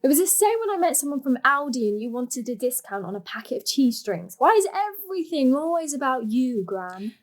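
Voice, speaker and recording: A guileless young woman, the needy daughter in a stage drama. Her voice is high. She sounds naive and plaintive, and gets annoyed easily. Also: sing-song, a little fast, few pauses. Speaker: stage actor. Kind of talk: dramatic dialogue in a play.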